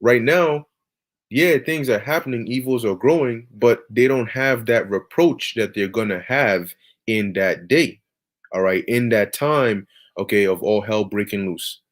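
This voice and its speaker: A man's voice: lowish voice, a little slow. A man preaching on scripture over a video call, emphatic and peppered with "all right" and "okay".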